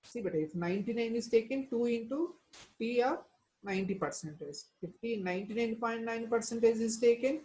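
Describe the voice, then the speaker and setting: Poor audio captures a mellow, slightly high woman's voice at a moderate pace. A South Asian-accented chemistry teacher, she goes through formulas step by step in a lesson and keeps nudging students with prompting questions and tag words.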